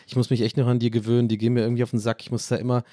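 A man's voice: medium pitch, flat delivery, rapid-fire, mellow, no echo, studio quality. A young man hosting a casual solo podcast, rambling and ranting with casual swearing. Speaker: podcast host.

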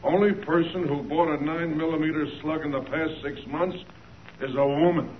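A businesslike cop phoning in on a 1940s radio show. His fairly high voice is clipped and colloquial through a telephone filter. The line is dull and noisy. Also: steady tone, moderate pace. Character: businesslike male police sergeant phoning in report. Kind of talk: 1940s radio drama acting.

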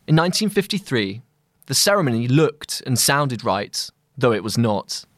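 A man's voice: mid-range voice, sing-song, normal speed, a bit bright, dry recording. Man reading an essay, close dry sound. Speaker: journalist narrating own long-read article. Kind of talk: scripted narration of a literary long-read essay.

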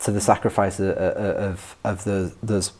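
A man speaking as a podcast guest in reflective personal conversation, thoughtful and halting as he searches for words. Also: deep voice, level tone, darkish tone. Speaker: podcast guest discussing a favourite poem.

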